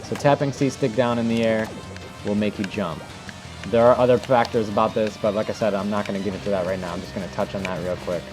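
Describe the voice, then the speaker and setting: A man's voice: lowish voice, fairly even intonation, fast talker. A man giving casual, improvised commentary as he demonstrates techniques in a video game, thinking aloud in an informal way. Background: music.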